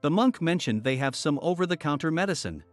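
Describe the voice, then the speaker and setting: A man narrating a first-person story in a steady, even storytelling manner. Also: on the high side, fairly quick, no room sound. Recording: soft music bed under voice.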